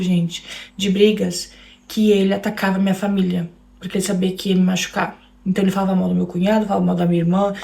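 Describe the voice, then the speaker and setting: A young woman with a Brazilian Portuguese accent, her voice carrying a steady gravelly fry. She tells her own story in an emotional way and keeps turning to speak straight to her listeners, at an ordinary pitch for a woman. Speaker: guest telling her story. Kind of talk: personal storytelling to an audience.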